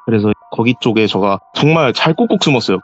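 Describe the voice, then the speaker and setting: A man calling in to tell his own ghost story, lively and animated, jumping his voice up high whenever he acts out what someone said. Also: fast talker, muffled recording, soft background music. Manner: animated, acts out quoted voices with sharp pitch jumps. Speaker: caller telling a personal story. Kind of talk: call-in horror storytelling. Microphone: voice call.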